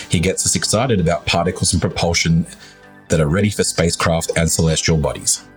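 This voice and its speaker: Deep-voiced man reading a podcast intro. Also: steady tone, fairly quick, slightly rough, soft background music. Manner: upbeat, announcer-like delivery. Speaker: podcast co-host. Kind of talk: scripted show intro.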